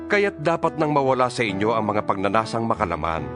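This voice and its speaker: A man with a Filipino accent voicing an earnest apostle in a dramatized scripture reading, solemn and emphatic, with measured phrasing. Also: on the low side, very animated, over music. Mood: earnest exhortation. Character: earnest male apostle exhorting his followers by letter. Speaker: Bible reader voicing an apostle's letter.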